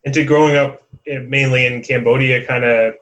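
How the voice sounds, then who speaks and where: A man's voice: mid-range voice, steady tone, moderate pace, a bit bright, highs cut off. Guy doing the interview, super casual, lots of like and uh, regular mid voice. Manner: casual, hesitant, many likes. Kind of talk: conversational interview.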